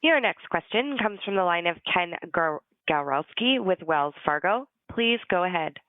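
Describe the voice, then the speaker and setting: A woman's voice: lowish voice, lively intonation, normal speed, no room sound. A woman conference call operator making formal, scripted announcements over a telephone line. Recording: dry, tinny telephone line.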